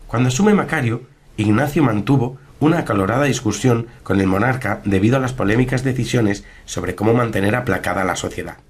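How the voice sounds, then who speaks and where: A man's voice: medium pitch, fairly quick, slightly rough, close to an everyday voice. A man playing a chronicler who tells a post-apocalyptic saga in formal, scripted radio drama narration. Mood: solemn recounting.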